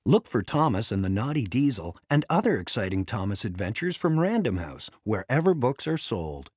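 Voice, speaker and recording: A man narrating a scripted children's story in an expressive way. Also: lowish voice, moderate pace, husky, no room sound, studio quality.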